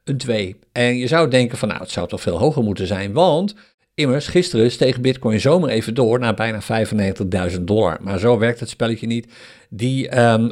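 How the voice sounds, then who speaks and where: A man hosting a solo crypto podcast in a chatty style, often pausing with fillers. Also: mid-range voice. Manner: chatty, hesitant with frequent fillers. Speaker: podcast host.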